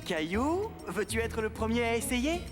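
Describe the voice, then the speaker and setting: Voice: mid-range voice, sing-song, moderate pace, music in the background, lightly acted. A performer playing a patient male children's skating instructor in a cartoon, with an encouraging, instructional manner. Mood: instructive. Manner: encouraging, clear instructional delivery.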